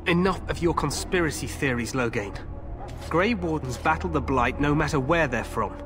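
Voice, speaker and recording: A man's voice: on the high side, moderate pace, close to an everyday voice. Actor as a proud young fantasy king over music. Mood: imperious, eager. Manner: regal, grandiose. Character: proud, eager young king hungry for glory. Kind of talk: fantasy video game acting.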